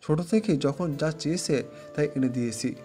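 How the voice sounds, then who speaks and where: A man's voice: on the high side, moderate pace, mellow, lightly acted. A man playing a threatening, protective older-brother mafia boss in an audio story, speaking with commanding authority. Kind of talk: Bengali audio story voice acting. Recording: music under the voice.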